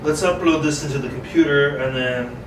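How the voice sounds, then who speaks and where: A man's voice: fairly high pitch, fairly quick. A man reading a screenplay aloud and chatting casually, often repeating himself in a rambling way. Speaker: solo script reader and host. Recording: roomy, distant mic, clearly noisy.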